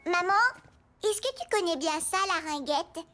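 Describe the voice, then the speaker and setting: An actor voicing a curious, excitable four-year-old boy in a children's cartoon, in an eager childlike way. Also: extremely high pitch, moderate pace, a little hiss or hum. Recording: loud music behind.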